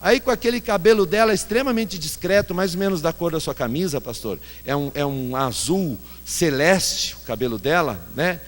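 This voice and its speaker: In a long-reverb church hall, a man preaches a sermon with anecdotes at normal speed and with few pauses. His fairly high voice carries animated, self-mocking stories.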